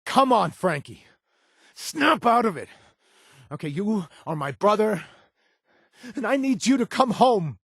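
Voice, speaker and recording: A man's voice: sits high, sing-song, measured pace, creaky, long pauses, slightly rough, no echo, clean studio sound, full character voice. A man voicing a weary, streetwise game companion who pleads emotionally with his lost brother, his voice rising when desperate. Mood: desperate pleading. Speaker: companion character in a video game. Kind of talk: game voice acting.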